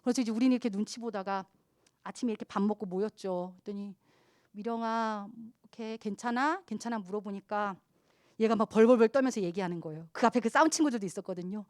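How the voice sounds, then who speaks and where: A woman pastor, around her forties, giving a youth sermon in an animated storytelling manner, acting out the people in her stories. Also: medium pitch, racing, no echo, studio quality.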